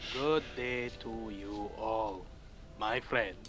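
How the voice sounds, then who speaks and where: A man puts on a character voice at medium pitch. Clear background noise is heard behind him. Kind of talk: formal.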